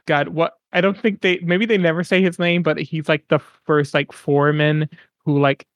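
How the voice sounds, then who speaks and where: A man with a fairly high voice talks loosely and at length in casual podcast chat. He cuts in and out of asides and swears freely. The sound is dry and close, with almost no room around him. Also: moderate pace, no echo. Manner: rambling, animated, swears casually. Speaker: podcast co-host.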